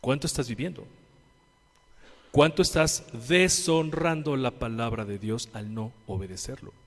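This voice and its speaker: A Mexican man preaching a sermon as pastor, asking his congregation questions and swinging from loud emphatic lines to quiet ones. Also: mid-range voice, a little slow. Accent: Mexican Spanish. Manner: preaching with rhetorical questions and call-and-response. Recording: long hall reverb.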